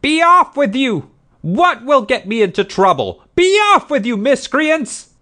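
Storybook peasant woman, played by a man, very high falsetto, shrill, wailing, malicious, melodramatic. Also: big pitch swings, a little slow, pushed and bright, full character voice. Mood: furious, screaming. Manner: wailing, melodramatic, screaming when angered. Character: big harsh peasant woman of forty, malicious, tearful. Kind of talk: acted audiobook character dialogue.

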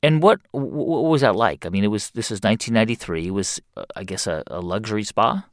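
A male host leads the interview, summing up his guest's past and prodding with questions. His voice is low yet swings widely in pitch, and it is recorded close and dry with faint music underneath. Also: expressive, fast, no echo. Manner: curious, recaps guest's story with questions. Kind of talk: conversational interview.

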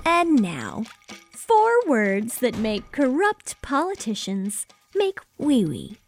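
Female promo voice, slow and sing-song, mocking, over loud music. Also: fairly high pitch, wildly swooping pitch. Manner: mocking, drawn-out delivery. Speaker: promo announcer. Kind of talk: dramatic show promo.

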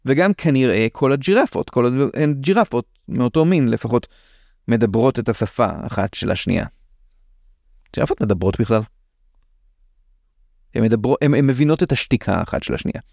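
A man's voice: mid-range voice, expressive, creaky, pauses often, darkish tone, no echo, studio quality. A man with an Israeli accent explaining things in a conversational way as a show's host, with playful questions and asides. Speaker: host of a science explainer show.

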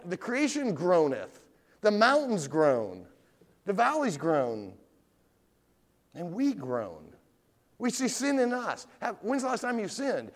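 A middle-aged man preaching with a lively, swinging delivery that rises and falls all the time. His voice sits a little high for a man. He keeps firing rhetorical questions at the congregation in plain, everyday words. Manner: asks the congregation direct questions. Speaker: pastor. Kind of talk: evening sermon.

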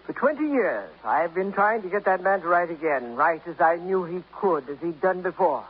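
An actor playing a stern middle-aged literary critic in a 1950s radio drama, speaking in a precise, lofty and contemptuous manner. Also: male voice, high-pitched, sing-song, normal speed, slightly rough, exaggerated voice. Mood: bitter. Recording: dull old radio broadcast with faint hiss.

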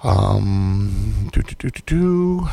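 A man's voice: lowish voice, big pitch swings, very slow, vocal fry, warm tone. A man hosting a casual radio show, rambling with dry jokes while losing his voice. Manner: rambling, dry joking, many hesitations. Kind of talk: casual chat.

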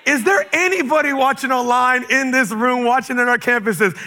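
A man raised in the Caribbean preaches in a strikingly high voice with a gravelly edge. He is fervent and forceful, breaking into shouts and quickly repeating words as he drives his points home to a church congregation. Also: low-quality recording. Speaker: pastor. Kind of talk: sermon. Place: church sanctuary with a live congregation.

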